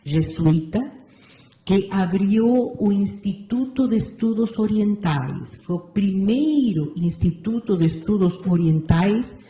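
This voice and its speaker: Interview guest: Argentine woman in her sixties, Spanish-accented, mellow and unhurried, in a roomy space. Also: medium pitch, lively intonation. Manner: measured, thoughtful, frequent "não é certo" tag. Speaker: interview guest, meditation teacher. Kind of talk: reflective interview answers. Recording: roomy echo.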